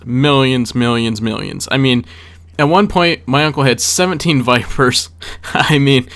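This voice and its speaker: A man with a mid-pitched voice records casual storytelling commentary as a gaming video creator. He talks conversationally, as if straight to his viewers, and often repeats words to stress a point. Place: voice-over for a gameplay video.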